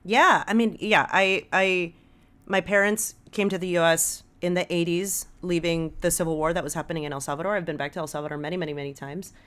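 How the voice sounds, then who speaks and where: Podcast guest, female, American accent, slightly low pitch, earnest and conversational, frequent check-in tags. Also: steady tone, a little fast, a bit bright, smooth. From Los Angeles, United States. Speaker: podcast guest, audio drama writer. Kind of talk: casual conversational interview talk.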